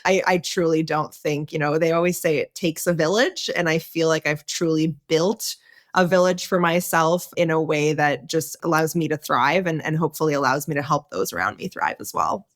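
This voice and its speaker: A woman's voice: low voice, normal speed. A woman from Canada speaking as a podcast guest, chatty and casual with frequent laughs. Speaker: podcast guest, tech entrepreneur. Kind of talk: podcast interview.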